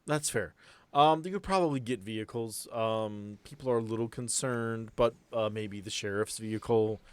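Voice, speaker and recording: A man's voice: fairly low pitch, normal speed, smooth, no room sound. A man improvising tabletop game narration as game master, explaining things in a conversational way.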